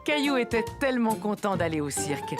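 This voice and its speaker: A woman narrating a French children's cartoon as a gentle, expressive storyteller. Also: medium pitch, fairly quick, loud music behind the voice, natural voice. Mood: storytelling.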